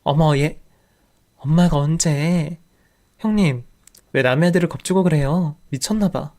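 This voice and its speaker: A woman's voice: deep voice, measured pace, warm tone. A man voicing a brazen young wife and mother who protests indignantly.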